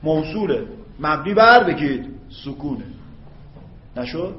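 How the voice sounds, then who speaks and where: A man's voice: fairly high pitch, animated. A man teaching grammar in a classroom lecture, often stopping to check whether his students follow. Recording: echoey, dull classroom recording.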